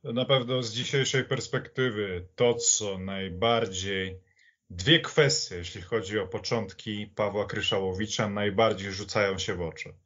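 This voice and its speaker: A man's voice: fairly low pitch, unhurried, a bit bright, lo-fi sound. A man talking off the cuff as a podcast panellist about sport. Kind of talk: unscripted sports discussion.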